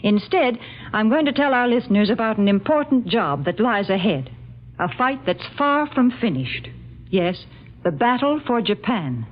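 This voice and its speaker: A woman's voice: on the high side, big pitch swings, moderate pace. An American woman announcing on 1940s radio, reading scripted copy in a cheerful, earnest, emphatic way. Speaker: sponsor announcer and co-host. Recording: muffled 1940s radio recording.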